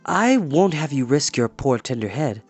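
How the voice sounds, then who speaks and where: A storybook reader playing an earnest, resolute young man on a quest, speaking in a measured, solemn way. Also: mid-range voice, big pitch swings, faint music behind. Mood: firm, gentle. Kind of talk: storybook character reading.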